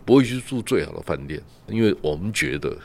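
A man's voice: sits low, expressive, fast talker, vocal fry. A man from Taiwan, chatting as a radio guest and telling travel stories full of rhetorical questions. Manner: storytelling, peppers talk with rhetorical "right?" and "ha". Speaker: guest commentator. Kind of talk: casual radio chat.

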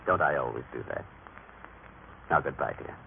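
A man playing an anxious, proud and devout merchant husband in a radio drama, in an acted, sometimes halting manner. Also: very deep voice, creaky, a little hiss or hum. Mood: uneasy, brisk. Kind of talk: old-time radio drama acting. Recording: thin, narrow-band old radio recording with music.

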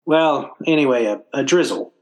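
A man's voice: mid-range voice, moderate pace, lightly acted, poor audio. A man acting a blustering, hapless working-class father in old-time radio comedy, stammering in folksy, ungrammatical talk. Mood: proud, pompous.

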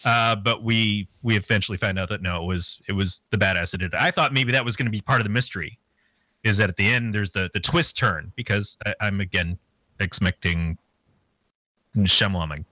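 A man's voice: lowish voice, brisk, pushed and bright, dry recording. A man casually recapping a movie plot on a podcast, rambling and joking crudely. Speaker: podcast co-host. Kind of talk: casual movie review chat.

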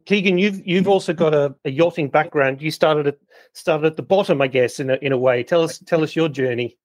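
A man's voice: a little high, brisk, dry recording. A man hosting a business podcast, introducing guests and asking easygoing questions. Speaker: podcast host. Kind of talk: podcast host interview.

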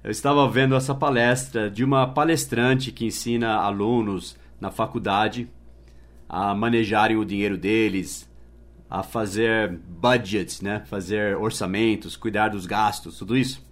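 A man's voice: lowish voice, steady tone. Patient man teaching English. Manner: explains patiently, spells words out letter by letter; slows down to model English phrases, adds tag questions. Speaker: English teacher and podcast host. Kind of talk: casual podcast lesson.

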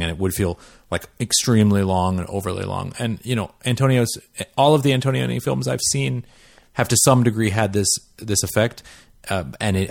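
A man's voice: fairly low pitch, gravelly, no echo, clean studio sound. A man talking about a film on a podcast panel, enthusiastic and rambling, with many restarts. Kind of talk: casual film discussion.

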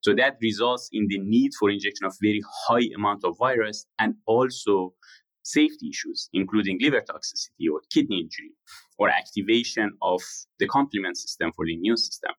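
A man, answering interview questions in a measured, explanatory way with frequent pauses. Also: lowish voice, fairly bright tone, dry recording, low-quality recording. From Iran. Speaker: guest founder.

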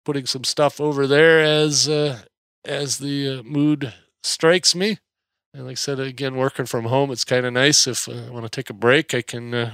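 A man's voice: medium pitch, a bit bright, no room sound, clean studio sound. Congested American man, rambling casual podcaster. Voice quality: slightly nasal. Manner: rambling, hesitant, folksy. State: mildly congested. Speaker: podcast host. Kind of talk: casual solo podcast chat.

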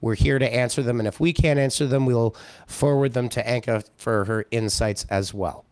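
A male podcast host with a slightly hoarse voice, opening the show and chatting with an upbeat, energetic manner. His voice sits at an ordinary middle pitch. The sound is close and dry, with no room echo. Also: moderate pace. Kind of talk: casual interview chat.

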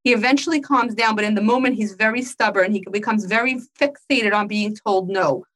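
A woman's voice: mid-range voice, a little fast, fairly bright tone. A woman hosting a parenting conversation who reads a listener's question and then chimes in playfully, acting out how parents talk to children. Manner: enthusiastic, playful, acts out kids' voices. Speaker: podcast host reading listener questions. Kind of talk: casual conversation.

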